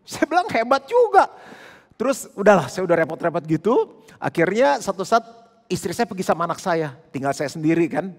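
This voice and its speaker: A male pastor preaching a sermon in a lively, conversational way with playful asides. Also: high-pitched, fairly quick. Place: church hall. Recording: long church hall reverb.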